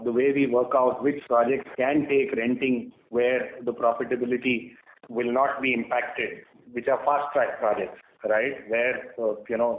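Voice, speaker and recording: Echoey, halting Indian man on conference call. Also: mid-range voice, narrow, tinny audio, a little hiss or hum. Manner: halting, measured, with frequent mid-sentence pauses. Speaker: company executive answering analyst questions. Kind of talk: earnings call Q&A, spontaneous explanation. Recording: echoey, band-limited conference call line.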